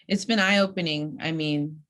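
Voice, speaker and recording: A woman from Texas talks as a podcast guest about her research and organizing. Her voice is notably low, and her tone stays chatty and lively. She laughs easily and throws asides to the listeners. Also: measured pace. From United States (Houston, Texas). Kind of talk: casual podcast conversation.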